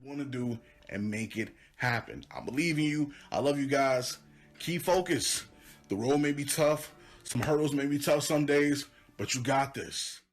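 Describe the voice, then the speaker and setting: A man's voice: mid-range voice, measured pace. A man giving an upbeat, motivational pep talk as a video creator. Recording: music playing over the voice. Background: music.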